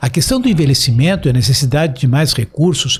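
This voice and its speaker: This man's voice has a somewhat breathy quality. His intonation is lively. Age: 60s. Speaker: physician and healthcare executive. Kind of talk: podcast interview. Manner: formal.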